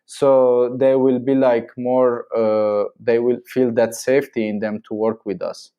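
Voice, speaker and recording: A man's voice: medium pitch, little pitch movement, a little slow, mellow, smooth. A man from Syria speaking non-native English, answering in a podcast interview with many fillers and restarts. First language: Armenian and Arabic. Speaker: marketing agency owner, guest.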